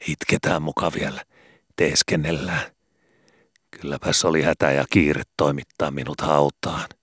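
A man voicing a gruff, domineering old dying father who barks commands and mocks his family, in an audiobook reading. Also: a bass voice, flat delivery, a bit bright, no echo, studio quality, heavily acted. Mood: sarcastic. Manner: barking, commanding, sarcastic. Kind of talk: audiobook character voice.

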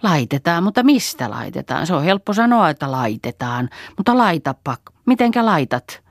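A woman's voice: low-pitched, very animated, no echo, clean studio sound, pitched above the performer's own voice, heavily acted. A woman voicing a skeptical, needling rural man in an audiobook. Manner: doubting, needling.

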